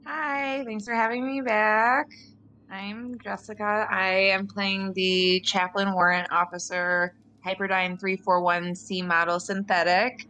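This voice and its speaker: A woman's voice: medium pitch, little pitch movement, a little slow, pushed and bright. A woman speaking casually as a player in a tabletop game. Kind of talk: casual introduction. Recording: faint background noise. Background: faint noise.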